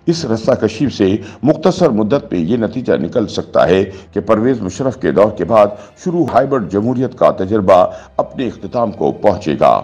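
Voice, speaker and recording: A man reads a political news voice-over in a formal, even-paced manner. His voice sits on the low side. The recording sounds dull and lo-fi. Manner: formal, measured reading of a political commentary. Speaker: news narrator.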